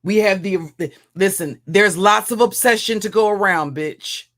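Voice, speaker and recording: Woman streamer, deep heavy voice, taunting and crude, loops back over her own lines. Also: moderate pace, fairly bright tone. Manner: mocking, insulting, repeats and restarts phrases. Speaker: livestream commentator. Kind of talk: profane roast rant.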